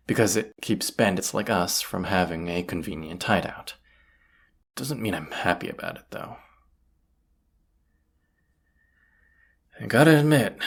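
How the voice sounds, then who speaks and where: Gravelly and sitting low, this full character voice belongs to a performer cast as a roguish bandit leader in a fantasy audio roleplay. He mutters folksy, sardonic lines to the listener, grumbling but confident, and sounds irritated and grudging.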